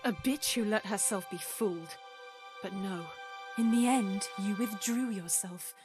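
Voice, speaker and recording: A young woman voicing a defensive, bitter young woman in a video game, with a sharp, guarded delivery. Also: mid-range voice, unhurried, music in the background, close to an everyday voice. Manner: sharp, guarded, flares into shouting. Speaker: game character.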